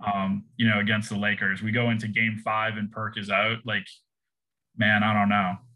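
The delivery has monotone, flat intonation with an American accent. The pace is moderate. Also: man, fairly low pitch for a man. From Boston, US. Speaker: marketing executive. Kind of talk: casual interview. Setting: video call.

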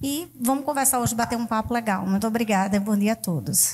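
The voice carries a northeastern Brazilian accent. It sounds somewhat breathy, with ordinary pitch variation. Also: woman. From Northeast Brazil. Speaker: cybersecurity company CEO. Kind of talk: panel discussion. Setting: stage with audience.

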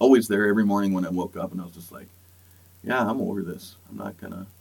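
A man with an American accent, a fairly low pitch and fairly even intonation. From central North Dakota, Mandan. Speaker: musician in a band. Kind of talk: casual interview, personal testimony.

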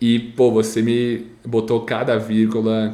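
A man's voice with a dark, mellow tone. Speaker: podcast host. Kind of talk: casual chat.

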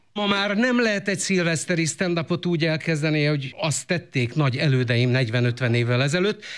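In a very clean recording with a silent background, a man talks at a moderate pace with hardly any pauses. He has an ordinary speaking voice with a fairly high pitch and lively intonation. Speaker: comedian. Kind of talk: stand-up comedy.

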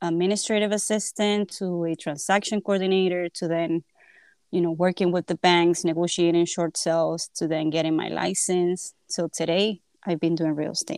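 In a Spanish accent, a woman speaks at a fairly low pitch, with a dry, close sound and no echo. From Venezuela. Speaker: realtor. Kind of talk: interview. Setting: video call.

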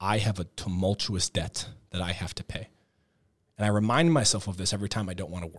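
Speaking at a fairly quick pace, a man with an American accent has a fairly low, somewhat breathy voice, captured in a very clean recording with a silent background. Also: ordinary pitch variation. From Chicago, US Midwest. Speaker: supplement company founder. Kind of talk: casual chat. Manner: animated.

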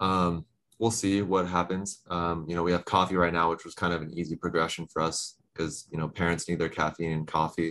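A man with an American accent, fairly quick and monotone, flat in intonation, against a quiet background. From Southern California. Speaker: apparel business owner. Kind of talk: interview.

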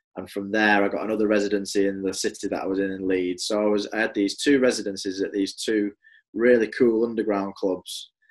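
In a Mancunian accent, a man with a fairly low pitch speaks at a fairly quick pace and with fairly even intonation. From Manchester, northern England. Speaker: addiction recovery author and podcaster. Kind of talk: interview testimony.

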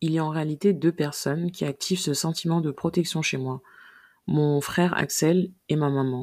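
A woman with a fairly low pitch and a dark, mellow tone at a fairly slow pace, her intonation fairly even, on a very clean recording with a silent background. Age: 30s. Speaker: documentary podcast host. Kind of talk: scripted narration.

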